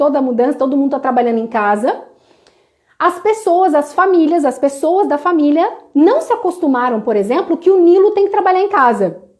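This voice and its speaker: Talking at a moderate pace, the woman uses a high pitch that swings very widely. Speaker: life coach. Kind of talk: live Q&A with viewers.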